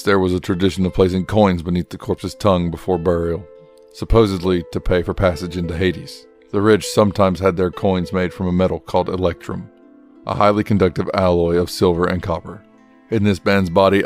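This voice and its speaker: A man's voice: deep voice, darkish tone, close to an everyday voice. A man acting a grim, commanding masked vigilante detective in a radio drama, terse, stern and brooding. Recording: music under the voice.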